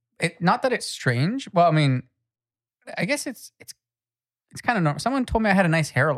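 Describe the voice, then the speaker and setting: This man speaks at a fairly quick pace with a high pitch, very wide pitch swings, big swings in loudness, an animated tone and long, frequent pauses, in a dry, close sound with no echo. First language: not English. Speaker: comedy podcast co-host. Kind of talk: casual chat. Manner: animated, laughing often.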